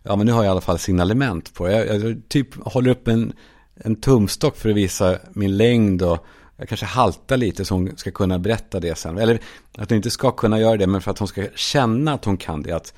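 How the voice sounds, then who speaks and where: Man, low voice, podcast host, deadpan comic monologue, sudden shouted lines. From Sweden. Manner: deadpan absurd storytelling, bursts into shouted quotes. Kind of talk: solo comedic monologue.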